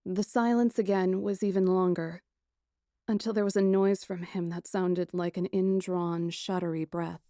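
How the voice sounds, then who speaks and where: Lowish-voiced woman narrating fiction. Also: flat delivery, normal speed, dark tone, no echo, studio quality. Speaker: audiobook narrator. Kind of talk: dramatic first-person fiction narration.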